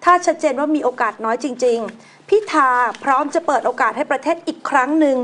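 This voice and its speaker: Woman news show host, high voice, reads stories then chats casually about them. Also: brisk. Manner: reads news items then banters in a relaxed, conversational way. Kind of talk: chatty news commentary.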